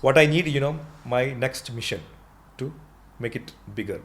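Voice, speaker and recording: A middle-aged man speaks with an Indian accent as a podcast guest. His voice sits at an average pitch. He talks conversationally, explaining step by step and repeating phrases to stress them. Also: normal speed, fairly bright tone. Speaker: entrepreneur interview guest.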